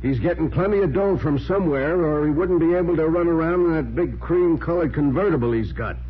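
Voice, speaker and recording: An actor playing a blunt, talkative working-class police sergeant with slangy, matter-of-fact speech in 1940s radio drama style. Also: male voice, fairly high pitch, fairly quick, slightly rough. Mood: animated, intrigued. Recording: muffled noisy 1940s radio recording.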